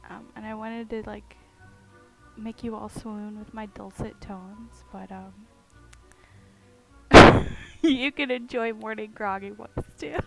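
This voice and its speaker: A woman's voice: mid-range voice, fairly even intonation, slow, gravelly, pauses often, low-quality recording. A woman chatting casually on a live stream while she carves, with a groggy morning voice, giggling, rambling and humming to herself. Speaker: streamer carving pumpkins. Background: music playing in the background.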